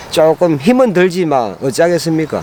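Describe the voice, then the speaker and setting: A man with a Gyeongsang accent, noticeable background noise behind him. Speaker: professional angler. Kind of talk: interview.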